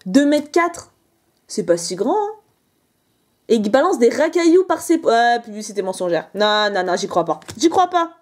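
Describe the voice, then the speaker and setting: A young woman hosting a casual, excited card-opening video, chatty and jokey. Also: fairly high pitch, normal speed. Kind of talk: excited casual unboxing commentary.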